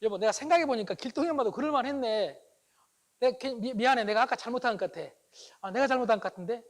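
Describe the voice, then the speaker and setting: A man voicing an upset middle-aged wife who vents to her husband in a shrill, exclamatory rush. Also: fast. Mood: sheepish.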